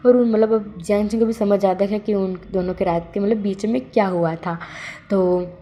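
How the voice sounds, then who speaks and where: A woman tells a fan-fiction story in a loose, conversational way, often pausing on fillers and correcting herself. Her voice is dark and mellow. A faint noise hums under the recording. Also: medium pitch. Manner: chatty, rambling, many fillers; addresses viewers directly. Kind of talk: casual fan-fiction retelling.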